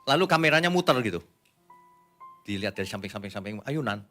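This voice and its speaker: Man, pastor, sermon, chatty preaching, rhetorical questions, bright tense voice, faint music behind. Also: on the low side, animated, fast.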